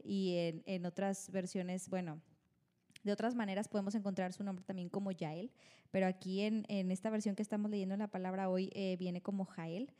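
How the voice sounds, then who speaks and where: A woman co-hosting a Bible study podcast, talking in a relaxed way with many filler words. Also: medium pitch. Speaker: podcast co-host. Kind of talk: casual Bible study chat.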